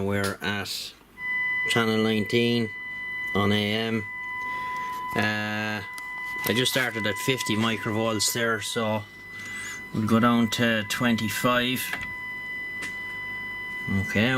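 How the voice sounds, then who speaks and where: A man's voice: fairly low pitch, huge pitch swings, slow pace, long pauses, background noise. A man talking casually through a radio repair demonstration at his workbench, rambling with lots of fillers. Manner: rambling and conversational, with many fillers.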